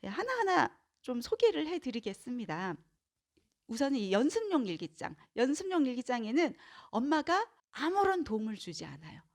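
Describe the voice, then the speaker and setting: Lively high-voiced woman explaining. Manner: animated, acts out parent-child dialogue. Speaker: parenting educator and author. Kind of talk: explaining to viewers.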